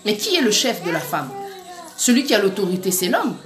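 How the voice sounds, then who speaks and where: A woman's voice: mid-range voice, wildly swooping pitch, fairly quick. A woman giving an earnest, urgent preaching-style talk, speaking straight to her listeners as sisters and brothers. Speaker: Christian speaker. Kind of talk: exhortative preaching-style monologue. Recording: echoey room with faint music. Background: faint background music.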